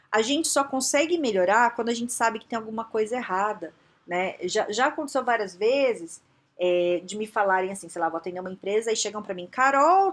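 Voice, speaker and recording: A woman from Brazil giving casual career advice straight to her listeners, acting out bosses and employees in quick quoted lines. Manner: lively, acts out quoted dialogue with pitch jumps. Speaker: career advice podcaster and consultant.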